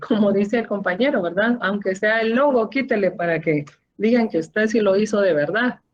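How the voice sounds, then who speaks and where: A woman with a Guatemalan accent, a law lecturer explaining course material and often adding questioning tags. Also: mid-range voice. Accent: Guatemalan Spanish. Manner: explanatory, frequent tag questions and fillers. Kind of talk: online class lecture. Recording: dull lo-fi audio.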